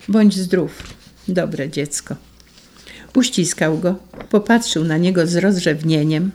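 A reader narrating a classic story in a slow, hushed and measured way. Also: medium pitch. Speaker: audiobook narrator. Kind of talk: scripted literary narration.

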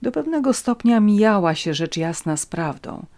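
A woman reading a novel aloud in a measured, even storytelling manner. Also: medium pitch. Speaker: audiobook narrator. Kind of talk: scripted narration of a novel.

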